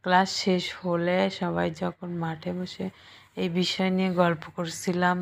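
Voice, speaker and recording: A woman narrating a romantic story in a steady, even reading voice. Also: on the low side, a little slow, gravelly.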